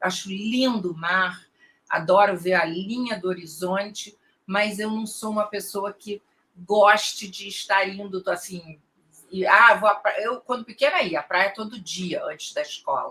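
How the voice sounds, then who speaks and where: A woman with a plain, everyday voice speaks at a fairly slow pace, her medium pitch showing ordinary pitch variation. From Brazil, Rio de Janeiro. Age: 60s. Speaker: literature professor, Shakespeare scholar. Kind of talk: interview.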